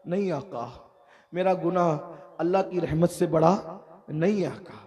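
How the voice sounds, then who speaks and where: A man preaching voices a young grave robber confessing in tears, his voice dropped low and pleading. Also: measured pace, darkish tone, natural voice. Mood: pleading remorse. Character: weeping young male grave robber, deeply ashamed.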